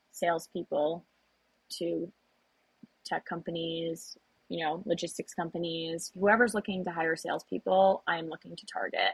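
A woman's fairly low voice. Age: 20s. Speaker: sales recruitment manager. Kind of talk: casual chat. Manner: robotic-sounding.

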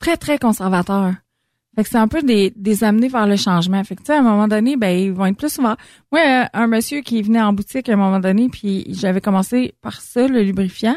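A woman's normal speaking voice, fairly high in pitch with ordinary pitch variation and a fairly quick pace, very cleanly recorded against a silent background. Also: dry, close sound with no echo. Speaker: adult products sales ambassador. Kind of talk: product presentation.

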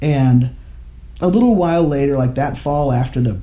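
The voice is somewhat breathy with a dark, mellow tone and ordinary pitch variation. Audible room echo surrounds it. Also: man. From Maine, US. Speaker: Unitarian Universalist minister. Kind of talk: interview.

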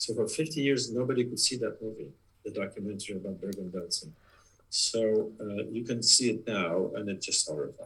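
A man in a Polish accent talks at a fairly quick pace, his medium-pitched voice somewhat breathy with ordinary pitch variation. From Poland. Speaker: production designer. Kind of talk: interview. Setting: remote call. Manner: halting.

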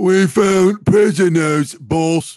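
The man puts on a character voice pitched high.

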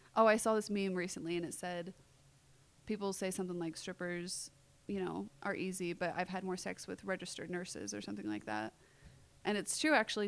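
A woman with an American accent speaks at medium pitch and a fairly quick pace. She has a plain, everyday voice with ordinary pitch variation. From Atlanta, US South. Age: 30s. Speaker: exotic dancer. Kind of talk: casual interview.

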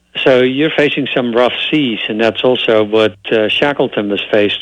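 At a moderate pace, a man talks with a Dutch accent. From Netherlands. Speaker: nature photographer. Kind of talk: radio interview.

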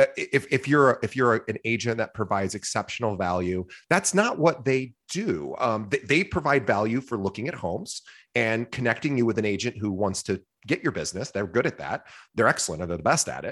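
Over a quiet background, a man with a plain, everyday voice talks at a fairly quick pace, medium in pitch, with lively intonation. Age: 40s. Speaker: podcast host. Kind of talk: interview conversation.

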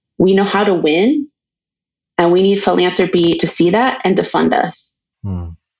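At a moderate pace with vocal fry, a woman speaks with ordinary pitch variation and long, frequent pauses over a quiet background. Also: medium pitch for a woman. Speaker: climate justice organizer. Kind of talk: podcast interview.

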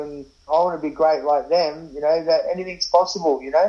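A fairly high-pitched man with an Australian accent and a dark, mellow tone. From Australia, Brisbane. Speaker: street performer. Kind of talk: interview. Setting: video call.

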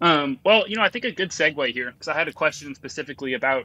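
A man with an American accent speaks at a fairly quick pace in a normal speaking voice with ordinary pitch variation. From California. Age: 20s. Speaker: student interviewer. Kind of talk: interview.

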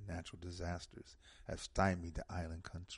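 A man talks at a fairly quick pace in a very deep, low pitch. His voice is somewhat breathy. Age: 70s. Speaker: radio host. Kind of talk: live radio talk show. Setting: phone-in radio show.

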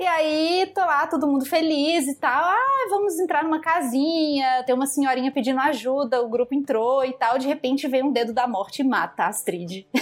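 Amid noticeable background noise, a woman speaks at a moderate pace with a high pitch, lively intonation, very even loudness and hardly any pauses. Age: 20s. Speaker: poet and content creator. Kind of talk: casual chat.

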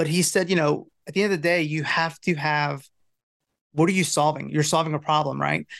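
Fairly quick, monotone speech with flat intonation over a quiet background. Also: man, fairly high pitch for a man. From Louisiana. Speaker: podcast co-host. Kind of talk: podcast interview. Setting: video call. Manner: halting, repeats words.

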